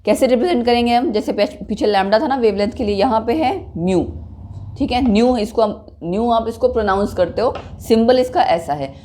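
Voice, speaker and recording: Woman teacher explaining chemistry slow and step by step, keeps checking in, soft mellow tone. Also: a little high, slight background noise. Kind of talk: classroom lecture mixing Hindi and English.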